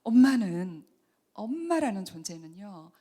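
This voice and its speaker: A middle-aged woman giving a Christian lecture on healing, talking earnestly and dropping to soft whispers for emphasis. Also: medium pitch, sing-song, a little slow. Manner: earnest, acts out mothers and children in quoted asides. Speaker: counseling center director giving a lecture.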